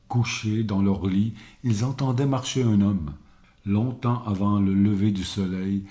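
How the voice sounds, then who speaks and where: A man voicing an old male hermit saint in the forest, reading slowly and gravely. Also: lowish voice, warm tone, natural voice. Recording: roomy echo.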